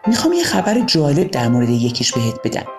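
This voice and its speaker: Smug teen big brother voiced by a woman, low tone, light music behind. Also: wildly swooping pitch, exaggerated voice. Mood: teasing. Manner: teasing, self-assured. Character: cocky teenage older brother.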